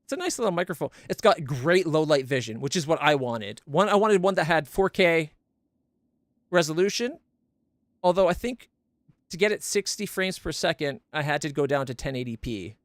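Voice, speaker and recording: A man with a fairly high voice for a guy, admitting it isn't naturally deep. He chats loosely from his home stream setup, circling back and correcting himself as he goes, close on a studio mic. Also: animated, normal speed, no echo. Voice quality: not very deep voice. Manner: rambling, self-correcting, stumbles over names. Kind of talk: casual chat about gear on a game stream. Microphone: studio condenser mic up close.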